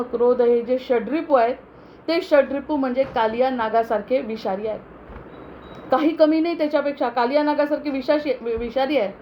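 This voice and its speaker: A woman giving a spiritual discourse, chanting verses slowly and then explaining them in a measured, self-correcting way. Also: high-pitched, highs cut off, a little hiss or hum.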